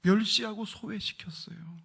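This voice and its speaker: A male pastor delivers a sermon in a church sanctuary, his voice a touch higher than most men's and roughened with gravel. He preaches emphatically and drops into a near whisper to drive points home. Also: normal speed, fairly bright tone. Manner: leads the congregation in responsive reading.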